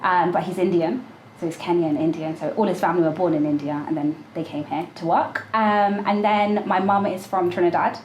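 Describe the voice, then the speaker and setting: A woman's voice: lowish voice, fairly even intonation, fairly quick, darkish tone. Woman, twenties, chatty interview guest, roomy echo, light hiss. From London, UK. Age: 20s. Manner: chatty, giggly, with frequent ums. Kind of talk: casual interview chat. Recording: echoey room, faint background noise.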